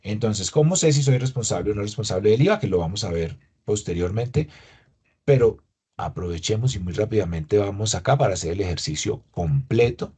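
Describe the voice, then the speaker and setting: A man with a Colombian accent teaches a tax lesson in a low, mellow voice with a slightly husky edge. He explains things step by step and keeps asking rhetorical questions. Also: lively intonation, fairly quick. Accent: Colombian Spanish. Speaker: tax instructor.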